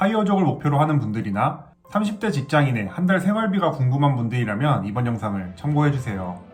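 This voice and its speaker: A man's fairly high voice with very wide pitch swings, at a fairly quick pace, with music in the background and audible room echo. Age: 30s. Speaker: finance YouTuber, office worker. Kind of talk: scripted narration. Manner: formal.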